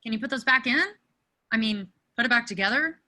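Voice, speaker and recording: Bright-voiced Lane, hapless teenage boy, played by a woman. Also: on the high side, brisk. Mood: self-deprecating, awkward. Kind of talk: amateur script table read. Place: remote video call.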